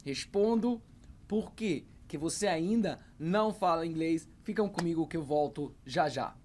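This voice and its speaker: A man's voice: on the high side, measured pace, darkish tone. Guy in his 30s teaching english on camera, keeps saying uh and repeating himself, faint noise behind. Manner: hesitant, with frequent fillers and repeated words. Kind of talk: talking to camera about learning English.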